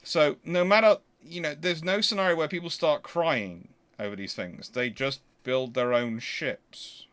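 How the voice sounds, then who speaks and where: A man's voice: on the high side, measured pace, hardly any pauses, a bit bright, clean tone. A man hosting a casual question-and-answer stream, talking in an emphatic, argumentative, conversational way. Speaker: host answering viewer questions.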